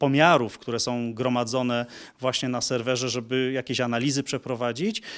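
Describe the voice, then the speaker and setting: In a very clean recording with a silent background, a man with an unremarkable speaking voice talks at a moderate pace and medium pitch with fairly even intonation. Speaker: engineering professor. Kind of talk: interview explanation.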